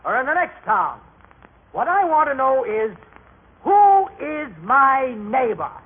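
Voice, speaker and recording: An actor playing a pompous, insistent religious heckler, declaiming and challenging in an old radio drama. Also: male voice, very high-pitched, sing-song, slow, phone-quality sound, heavily acted. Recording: thin band-limited vintage radio recording.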